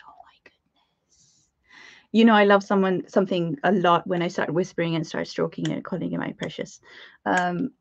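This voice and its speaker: A woman's voice: mid-range voice, no room sound. A bubbly woman with a Pakistani English accent hosts a live craft class from her home studio, greeting viewers by name and laughing easily. Her webcam audio is close and dry, with a slightly muffled, dull edge. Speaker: art teacher hosting a live stream. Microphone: webcam at desk.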